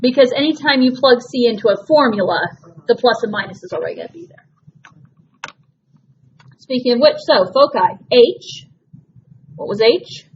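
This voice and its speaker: A woman teaching a math class talks patiently through each step aloud, reassuring students it is not magic. Her slightly high voice has lively intonation at normal speed, broken by long pauses. The recording is dull and lo-fi, with a faint hiss behind her.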